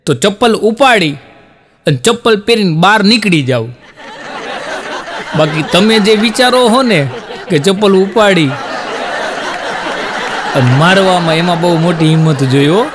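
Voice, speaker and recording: A man's voice: high-pitched, expressive, a little slow, pauses often, background noise. A man giving chatty, advice-style stand-up jokes in a Gujarati accent. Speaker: stand-up comic. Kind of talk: stand-up joke telling.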